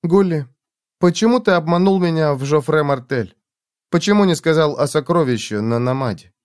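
A man voicing a fierce, sharp-tongued young woman in a storybook reading, mocking and commanding. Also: animated, normal speed, clean tone, lightly acted. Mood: reproachful. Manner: mocking, commanding, shrill when angry.

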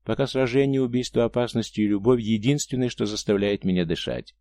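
A man reading the part of an immortal young princess, bored, cruel and teasing, with a soft murmuring delivery. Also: mid-range voice, brisk, dry recording, lightly acted. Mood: weary.

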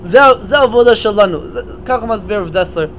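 A man's voice: high voice, slight background noise. A man giving a Torah lecture at a memorial gathering, explaining step by step and often restarting his words.

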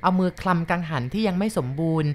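A woman narrating a ghost story aloud in a low, steady voice. Her delivery is even and unhurried. The telling is measured storytelling. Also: slight background noise.

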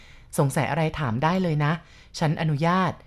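A gentle, lonely man in his forties from a read-aloud novel, as a woman reader puts him on, pitched a little lower and kept quiet. He talks slowly and evenly, in a subdued, kindly way. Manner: slow, calm, subdued. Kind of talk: audiobook reading of a novel.

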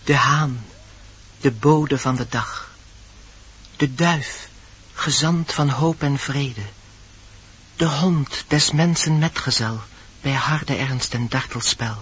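A solemn, husky dwarf calls out in radio drama verse. Delivery is slow and declamatory, on a muffled old recording. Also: male voice, mid-range voice, a bit bright.

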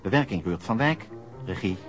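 A man's voice: lowish voice, expressive, moderate pace. A man reading the closing credits of a radio drama in a formal, scripted announcer style. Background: loud music.

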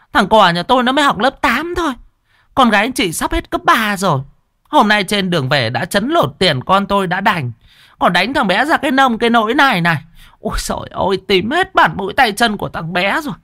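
A man voicing an angry middle-aged village mother, talking fast in a shrill, wailing complaint. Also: sing-song, bright, forceful tone, heavily acted. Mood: indignant, wailing.

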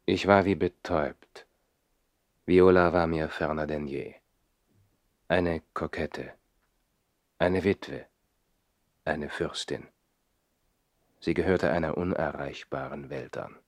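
An actor playing a passionate nobleman who lives in the trees and recalls his love in a measured, literary way, in a 1960s German radio play. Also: a bass voice, steady tone, dry recording, studio quality, exaggerated voice. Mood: subdued, wistful.

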